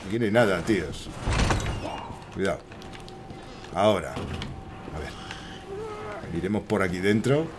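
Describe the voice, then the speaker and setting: A man with a Spain Spanish accent, commenting live on a horror game he is playing, with frequent swearing and excited outbursts at enemies and chat. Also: low voice, slow pace, pauses often, heavy background noise. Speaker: streamer.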